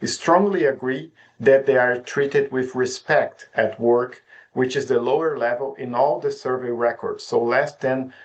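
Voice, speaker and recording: A man's voice: medium pitch, a little slow. A man hosting an interview, asking long, searching questions with many hesitations. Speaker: host interviewer.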